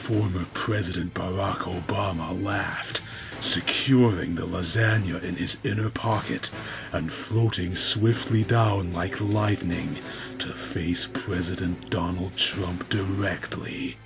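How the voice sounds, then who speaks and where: A man's voice: low-pitched, steady tone, takes it slowly, vocal fry, over music. A man narrating a comic story in a dramatic, grandiose, mock-epic manner.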